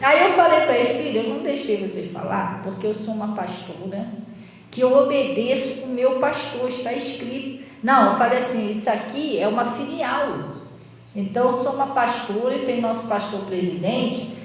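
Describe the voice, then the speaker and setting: Brazilian woman pastor, high-pitched, animated storytelling sermon; roomy distant church sound. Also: moderate pace. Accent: Brazilian Portuguese. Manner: animated storytelling, acting out quoted voices, laughing often. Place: church hall. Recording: echoey church hall, voice from a distance.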